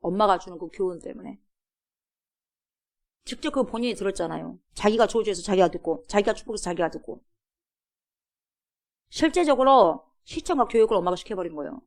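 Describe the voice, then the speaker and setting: A woman's voice: medium pitch, lively intonation, brisk, creaky, pauses often, a little mellow. Woman pastor preaching in church, punchy, keeps asking the crowd questions. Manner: emphatic, many rhetorical questions and repeated "여러분". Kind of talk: sermon. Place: church sanctuary.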